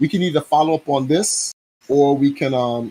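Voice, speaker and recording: A man at a medium pitch, moderate pace and ordinary pitch variation, in a dry, close sound with no echo. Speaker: podcast co-host. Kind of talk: casual chat. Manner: loud.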